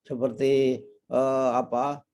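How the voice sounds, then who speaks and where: A middle-aged man hosting an academic conversation, speaking haltingly with frequent short affirmations. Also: mid-range voice, flat delivery, darkish tone. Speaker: interview host.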